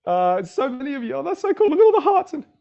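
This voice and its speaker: A man's voice: very high voice, big pitch swings, fast, creaky, warm tone, muffled recording. A man whose first language is a Chinese dialect teaches public speaking in a live online masterclass, upbeat and greeting viewers in the chat.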